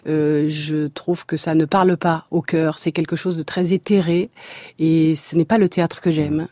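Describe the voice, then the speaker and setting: Hesitant warm-voiced woman guest. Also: deep voice, steady tone, moderate pace, no room sound, clean studio sound. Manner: hesitant, many fillers and restarts. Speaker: actress, interview guest. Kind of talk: radio interview conversation. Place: radio studio.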